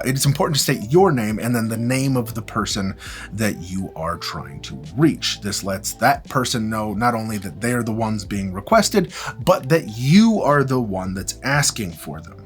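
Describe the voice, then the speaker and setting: A man with a medium-pitched, very lively voice presents a practical tutorial. He explains things informally and with emphasis, like someone demonstrating equipment to viewers. Faint music plays behind him. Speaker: presenter of a film-gear tutorial. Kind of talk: instructional product demonstration with casual asides. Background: background music.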